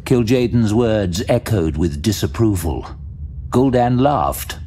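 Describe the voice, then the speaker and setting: Man, dramatic fantasy narrator, slow measured delivery, widely swinging intonation, suspenseful, theatrical. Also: fairly low pitch, expressive, warm tone, slight background noise. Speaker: audiobook narrator.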